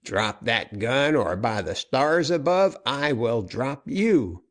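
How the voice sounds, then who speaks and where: A man's voice: medium pitch, very animated, slow. A man voicing a fierce, vengeful male outlaw captain in a dime-novel reading, snarling and threatening. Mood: menacing.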